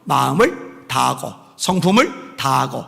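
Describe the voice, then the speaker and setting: A man pastor preaching a sermon with impassioned swings between soft pleading and raised exhortation. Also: mid-range voice, sing-song, a little slow, creaky, big-room sound.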